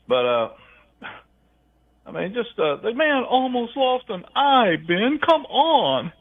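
A man's voice: very high-pitched, very animated, slow pace, slightly rough. A rambling, folksy man calls in to a radio show, his voice swinging up and down with lots of lift. He comes through a thin, tinny phone line. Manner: rambling, folksy, calls the host "brother" and "my friend".

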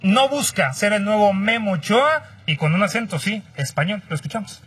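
A man's voice: high-pitched, expressive, moderate pace, fairly bright tone, husky, recorded from a distance. A man hosting a live sports talk show, slightly off the microphone. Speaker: sports radio host.

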